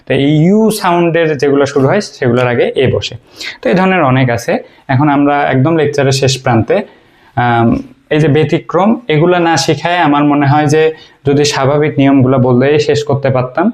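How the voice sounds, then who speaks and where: A man from Bangladesh teaching basic English grammar in an informal video lecture. He explains step by step, pauses often to think, and asks the listener questions that he answers himself. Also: fairly high pitch, darkish tone. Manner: frequent hesitations and fillers while he thinks.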